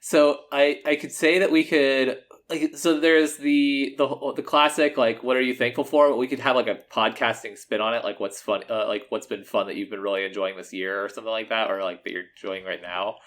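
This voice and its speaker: A man's voice: medium pitch, level tone, brisk, fairly bright tone. A man co-hosting a casual podcast, often hedging and correcting himself, with a joking streak. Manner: hesitant, self-correcting, joking. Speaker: podcast co-host. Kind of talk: casual chat.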